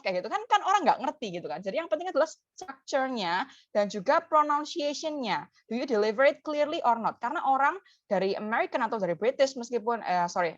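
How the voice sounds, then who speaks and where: A woman's voice: high-pitched, no room sound, lo-fi sound. A woman speaking on a webinar, explaining casually and mixing in English phrases. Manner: casual, mixes in English phrases, gives examples.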